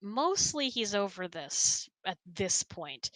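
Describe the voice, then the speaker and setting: Bright-voiced woman chatting casually. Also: mid-range voice, big pitch swings, slow pace, dry recording, poor audio. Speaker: host. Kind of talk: casual chat, answering audience questions.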